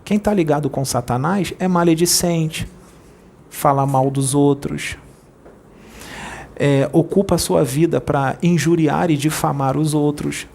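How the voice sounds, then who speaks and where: A man with a Brazilian Portuguese accent, a spirit medium preaching informally in a playful, jokey way that rushes over his words. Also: on the high side, creaky, a little mellow.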